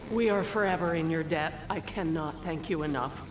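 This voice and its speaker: A woman's voice: deep voice, normal speed, lightly acted. A woman acting as an earnest, frightened innocent accused of witchcraft in a video game, her voice echoing. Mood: grateful. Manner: pleading, earnest. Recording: echoey, reverberant, faint noise.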